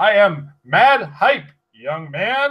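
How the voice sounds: Putting on a character voice, a man speaks high in pitch with very wide pitch swings.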